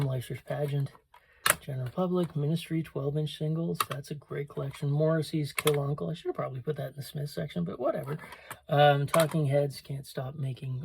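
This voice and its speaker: A middle-aged man chatting casually and unscripted as he shows off items as a store owner, in a halting, rambling way that often interrupts itself. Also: on the high side, vocal fry, very noisy. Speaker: vintage store owner presenting a haul. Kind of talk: casual unscripted show-and-tell chat.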